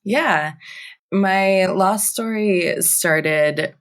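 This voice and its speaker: A woman's voice: medium pitch, extremely slow. A woman in her twenties, a podcast guest telling a personal story in a conversational way, often saying "like" and "um". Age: 20s.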